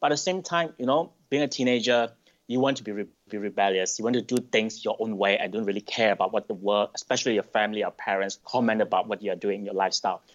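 A middle-aged man from Malaysia, answering interview questions thoughtfully, with pauses and restarts. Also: on the low side. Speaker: podcast guest. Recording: dull lo-fi sound.

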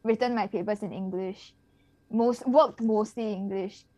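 A woman talking as a guest in a casual conversation, explaining things in a steady, even way. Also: medium pitch, measured pace, dry recording.

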